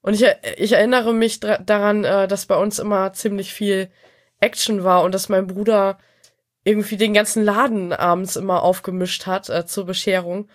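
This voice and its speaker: A woman's voice: medium pitch, flat delivery, moderate pace, no room sound. A woman with a cold, chatting casually on a podcast, rambling and laughing often. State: has a cold. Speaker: podcast guest. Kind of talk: casual chat.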